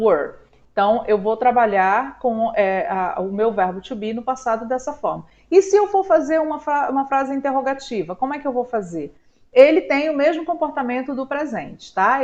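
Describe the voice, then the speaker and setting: A Brazilian woman with a somewhat high voice, teaching an online lesson in a patient, step-by-step way. She drags out her example words slowly and keeps checking in with the listener. The recording is a bit dull and lo-fi, with light typing on a keyboard behind her. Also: lively intonation, darkish tone. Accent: Brazilian Portuguese. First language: Portuguese. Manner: slow drawn-out model words, frequent "tá?". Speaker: English teacher. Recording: slightly dull lo-fi sound.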